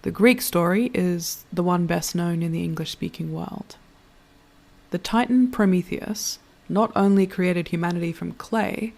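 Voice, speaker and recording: A woman playing a reflective, literate storyteller in a scripted audio drama, musing in a measured, thoughtful way. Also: lowish voice, vocal fry, a little mellow.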